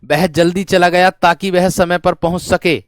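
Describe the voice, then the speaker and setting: This man's voice sits high, with fairly even intonation and a slightly slow delivery, recorded at studio quality without echo. As a Hindi grammar teacher, he dictates example sentences in class, repeats phrases, and often checks comprehension with well-worn rhetorical questions.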